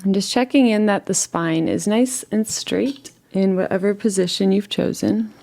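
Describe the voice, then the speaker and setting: A woman with a creaky, mid-range voice leads a guided relaxation meditation. She speaks slowly, softly and soothingly, with long pauses between her phrases.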